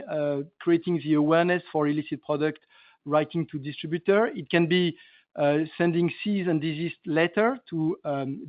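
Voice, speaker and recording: A male company executive answering analysts on an earnings call in a halting, emphatic way, repeating phrases for stress. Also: fairly high pitch, no room sound. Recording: narrow tinny phone line.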